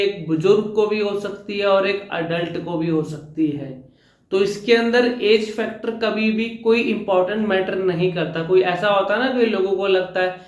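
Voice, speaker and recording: A speaking coach giving a reassuring vlog lesson to viewers, repeating phrases and mixing in English words. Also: male voice, high-pitched, reverberant.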